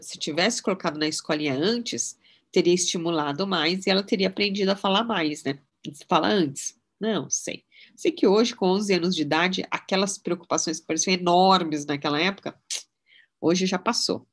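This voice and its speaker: A middle-aged woman, a mind-mapping instructor, giving a casual teaching talk with personal anecdotes in a chatty, relaxed way. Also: on the low side, normal speed. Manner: chatty, relaxed, often adds "né?" tags.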